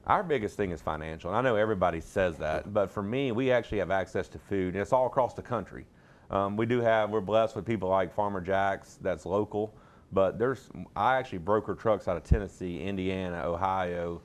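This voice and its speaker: A man's voice: deep voice, brisk. A middle-aged man, a pastor, talking in a plain-spoken, rambling, folksy way in a TV studio interview on a lapel mic. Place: TV studio set.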